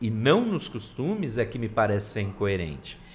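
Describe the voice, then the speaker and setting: The voice is a man's, somewhat breathy. He talks with lively intonation. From interior of São Paulo state, Brazil. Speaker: podcast host. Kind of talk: casual discussion.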